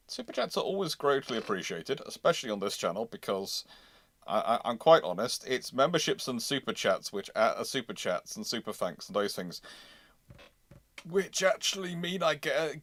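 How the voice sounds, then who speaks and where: A man hosting a casual live question-and-answer stream, speaking haltingly, often repeating phrases and interrupting himself. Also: medium pitch, big pitch swings, fairly bright tone. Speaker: livestream host.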